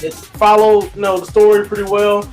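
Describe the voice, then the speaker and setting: A man co-hosting a casual movie review, speaking informally and in a halting way as he restarts his sentences. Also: high-pitched, flat delivery, soft background music.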